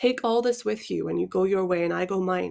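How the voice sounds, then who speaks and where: In a Scottish accent, a woman speaks at a fairly quick pace with a medium pitch, ordinary pitch variation and vocal fry, on a very clean recording with a silent background. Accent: Scottish lilt. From Scotland. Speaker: children's novelist. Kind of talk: reading aloud; casual chat. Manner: halting.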